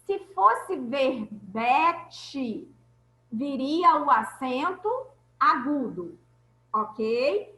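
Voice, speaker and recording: A woman teacher leads an online class in a high, bright voice. She explains each point slowly and checks that her students follow. The sound is echoey, as if in a bare room.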